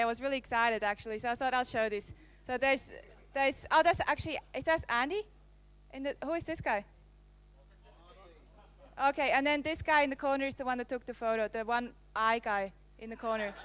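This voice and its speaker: A woman in her thirties, raised in Switzerland, speaks with a Swiss accent tinged with French. Her voice is smooth and clear and sits a little high. She gives a conference keynote on a handheld mic in a playful way and teases the audience. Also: fairly bright tone. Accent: Swiss, with some French. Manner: playful, teasing the audience, laughs often. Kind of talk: live keynote presentation. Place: conference hall. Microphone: handheld microphone.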